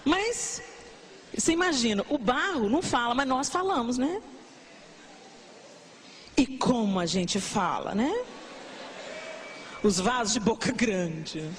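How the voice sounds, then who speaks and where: A Brazilian woman preacher delivering a lively sermon to a congregation, with a broadcast church-service feel. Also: on the high side, takes it slowly, long pauses, slight background noise. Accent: Brazilian Portuguese. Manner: animated, acts out complaining believers in mock voices.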